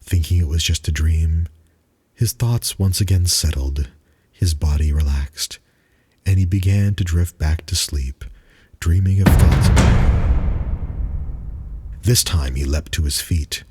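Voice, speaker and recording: A man giving a dramatic reading of a spooky story, deliberate and suspenseful, with dramatic pauses. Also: very deep voice, dark tone, faint music behind.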